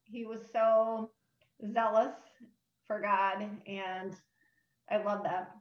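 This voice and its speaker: A woman's voice: mid-range voice, little pitch movement, slow, reverberant, distant mic, highs cut off. A woman with a Northern Midwest American accent, telling a story as an interview guest in a bubbly, giggly way. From upper Midwest of the USA. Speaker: church planter, interview guest.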